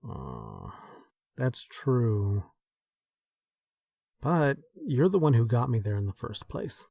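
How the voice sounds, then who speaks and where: An actor playing a modest, self-doubting leader, hesitant and thoughtful, in naturalistic audio drama dialogue. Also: male voice, medium pitch, wildly swooping pitch, takes it slowly, vocal fry, mellow, no room sound, studio quality, exaggerated voice. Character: modest, self-doubting man leading a small group.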